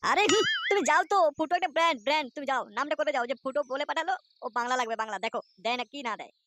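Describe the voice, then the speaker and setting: Actor playing a boastful boozy cartoon dad, West Bengal accent, extremely high voice, rapid slangy banter. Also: background noise, natural voice. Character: carefree, boastful, boozy male club layabout and father. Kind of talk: comic cartoon voice acting.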